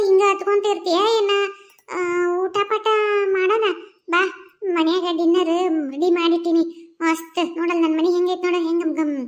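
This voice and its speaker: A woman voicing a carefree murdered female ghost in a cartoon, speaking North Karnataka Kannada in a soothing, chatty, folksy manner. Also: very high-pitched. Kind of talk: cartoon voice acting.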